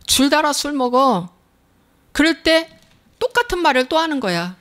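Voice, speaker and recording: A woman's voice: sits high, big pitch swings, moderate pace, fairly bright tone. A woman pastor preaching a sermon in a plain, conversational way, with emphatic, repeated rhetorical questions.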